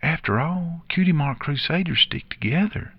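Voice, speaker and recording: A friendly young filly from a farm, acted by a male reader, earnest and determined. The storybook voice is pitched up, with a dry close sound. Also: expressive, moderate pace, breathy edge, dry recording, dull audio.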